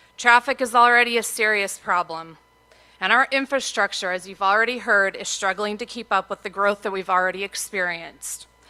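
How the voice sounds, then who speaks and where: With an American accent, a woman speaks at a fairly quick pace in a bright, sharp tone at medium pitch with ordinary pitch variation, the sound dry and close with no echo. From Riverbank, California. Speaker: public commenter. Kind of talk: public comment.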